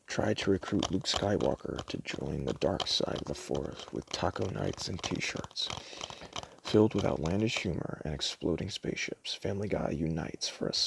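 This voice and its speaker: Very deep, gravelly man in casual ASMR. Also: background noise. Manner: casual, hesitant, stumbles over words and self-corrects. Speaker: ASMR roleplay performer playing a DVD store clerk. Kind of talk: rambling casual ASMR roleplay, reading out film blurbs.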